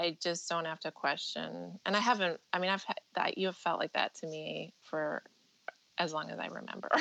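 A woman with an American accent talks at a moderate pace in a dry, close sound with no echo. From US Midwest. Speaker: graduate student. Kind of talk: casual chat.

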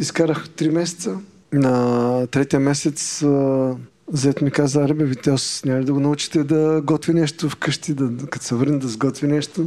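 This man has an unremarkable speaking voice with a fairly high pitch. His intonation is fairly even and his pace fairly slow. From Bulgaria, Varna. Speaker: pizza chef and restaurateur. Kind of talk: casual interview.

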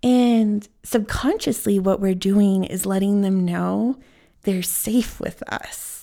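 Speaking very slowly, a woman with a medium pitch and a dark, mellow tone keeps her intonation fairly even. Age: 30s. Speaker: podcast host. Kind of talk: solo podcast monologue. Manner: confessional, candid.

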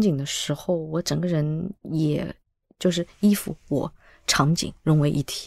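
Female speech on a very clean recording with a silent background, dry and close with no echo. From Hangzhou, China; moved to US at 14. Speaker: architect and teacher. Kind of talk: interview conversation. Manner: repeats words, hesitant starts.

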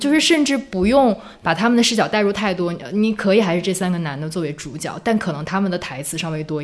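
A woman talks at a very fast pace in a medium pitch. Her intonation is lively. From Northeast China, small town in southeast Heilongjiang. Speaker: podcast co-host, journalist. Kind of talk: casual chat.

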